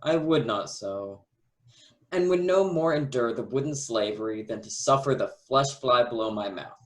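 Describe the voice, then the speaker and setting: A man's voice: medium pitch, normal speed, a bit bright, lightly acted. A man playing a humble, devoted young prince in love, declaiming courtly verse in a Shakespearean radio play. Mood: adoring, earnest.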